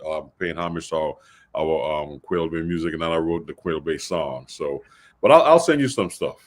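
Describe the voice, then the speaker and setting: A man's voice: rumbling low, animated, normal speed. A man hosting a music show in casual chat, often repeating phrases for emphasis. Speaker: radio show host.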